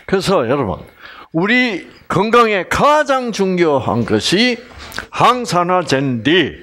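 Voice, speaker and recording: A man's voice: fairly high pitch, a bit bright. A middle-aged man giving a health lecture, asking his audience questions and joking with regional sayings.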